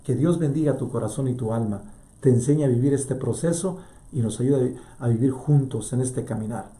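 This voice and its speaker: A man preaching a sermon as a priest, fervent and swinging from loud to hushed. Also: mid-range voice, normal speed, roomy sound.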